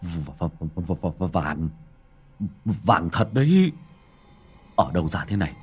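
A man's voice: medium pitch, expressive, measured pace, darkish tone, breathy edge, soft background music. A man voicing a terrified older village husband who stammers and wails. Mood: stammering. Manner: stammering, wailing.

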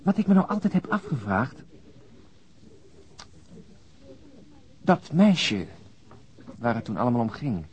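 A man's voice: mid-range voice, very animated, normal speed, a little mellow, breathy edge. An actor in a radio drama playing an overweight, jovial, world-weary policeman who talks bluntly and chattily with mild swearing. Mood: musing, wry. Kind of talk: naturalistic Dutch radio drama acting.

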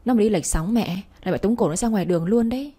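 A woman's voice: mid-range voice, fast, mellow, husky, natural voice. A woman voicing a kind older woman, a future mother-in-law who comforts the girl and bosses her son, in a storybook reading. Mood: commanding. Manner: soothing and motherly. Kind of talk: storybook narration.

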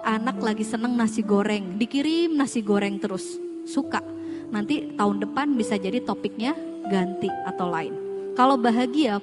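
A woman giving an Islamic parenting talk to parents, animated, asking the audience questions and acting out quoted speech. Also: mid-range voice. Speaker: parenting seminar speaker.

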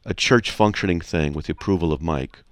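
A man hosting a Christian call-in radio show, talking casually and frankly as he teaches and tells stories in an animated way. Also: deep voice, brisk, no echo. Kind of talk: casual conversational teaching and anecdotes.

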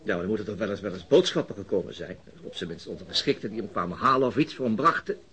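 A male police detective, questions persistently in a naturalistic radio play. He speaks quickly and with very lively intonation, courteous yet insistent, humming as he thinks. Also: fairly low pitch, slightly rough, full character voice. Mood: probing, surprised. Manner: probing, insistent questioning with hesitant hums. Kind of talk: naturalistic radio drama acting.

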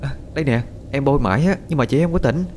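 A man voicing a flustered aunt who talks in a high, hurried, stumbling way in a horror audiobook. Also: a little mellow, slight background noise, close to an everyday voice. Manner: high, breathless, stumbling explanations.

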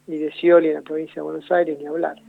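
A man with an Argentine accent, a radio guest giving measured, analytical answers and often rephrasing himself. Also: fairly high pitch, flat delivery, vocal fry, dry recording. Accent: Argentine Spanish. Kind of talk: radio phone interview. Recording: tinny phone line on radio.

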